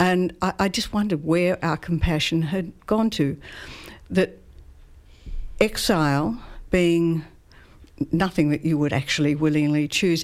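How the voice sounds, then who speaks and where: Fairly slow speech with an Australian accent, long, frequent pauses, very even loudness and ordinary pitch variation. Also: woman. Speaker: novelist. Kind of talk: interview. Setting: studio.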